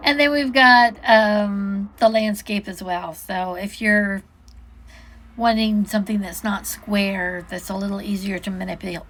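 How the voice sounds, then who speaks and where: A woman's voice: medium pitch, steady tone, measured pace, a bit bright, slight background noise. A woman giving a casual, unscripted product walk-through, chatting and musing aloud as she goes, often interrupting herself.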